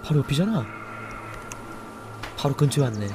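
A young man streaming a survival game, chatting with viewers, muttering to himself and crying out loudly when startled. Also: sing-song, moderate pace, music in the background. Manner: jumpy, exclaims loudly when startled, then mutters low; chats with viewers and reads the chat. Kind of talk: live game commentary.

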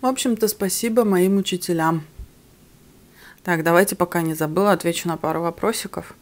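A young woman vlogger, not a native Russian speaker, chats candidly to camera between bites while doing a mukbang in her living room at home. Her voice is lowish and fairly quick, picked up by a camera on the table in front of her.

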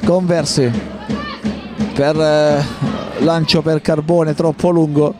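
A man giving live football play-by-play in clipped running phrases, with pauses between them. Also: on the high side, level tone, over music, a crowd in the background. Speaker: football match commentator.

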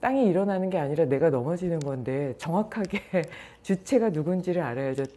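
A woman's voice: on the low side, fairly quick, slight background noise. A woman yoga and meditation teacher giving a spoken lecture, acting out everyday examples and chuckling between points. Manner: animated storyteller who acts out everyday examples.

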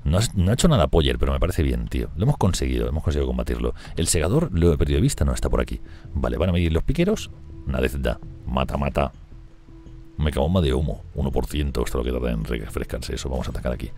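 A man commenting on a strategy game he is playing, talking fast and excitably, swearing and laughing often. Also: a bass voice, faint music behind. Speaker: gameplay streamer.

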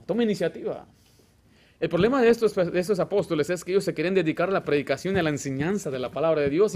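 A man preaching a Baptist sermon as pastor, asking the congregation questions and swinging from loud exhortation to quiet asides. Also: a little high. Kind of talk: Spanish-language Baptist sermon. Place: church sanctuary.

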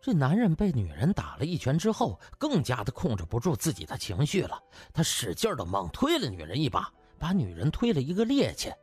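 A man's voice: medium pitch, huge pitch swings, brisk, few pauses, breathy edge, faint music behind. A man narrating a comic novel as a scripted, dramatic audiobook.

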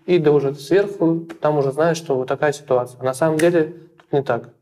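A young man from Russia answering interview questions in a small plain room, halting and repeating words with many fillers. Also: fairly high pitch, fairly even intonation, warm tone, a little hiss or hum. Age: young adult.

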